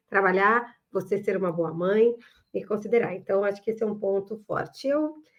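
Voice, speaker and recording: A woman speaks with a Curitiba accent. Her pace is moderate. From southern Brazil, Curitiba. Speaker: energy industry association executive. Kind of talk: podcast interview. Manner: casual, conversational.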